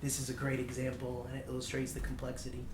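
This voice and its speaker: Discussion participant, mid pitch, thoughtful and halting, roomy sound. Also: monotone. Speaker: workshop participant. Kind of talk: roundtable discussion. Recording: echoey room with faint noise.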